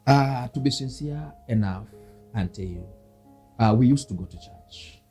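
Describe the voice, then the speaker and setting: A man's voice: mid-range voice, expressive, unhurried, mellow, faint music behind. A Kenyan man speaking as an interview guest, an earnest, devout Christian minister giving personal testimony in conversation.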